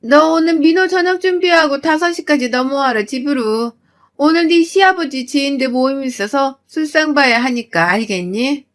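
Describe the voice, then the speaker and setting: A woman voicing a domineering older mother-in-law who shouts orders. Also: high-pitched, normal speed, voice pushed up. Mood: bossy.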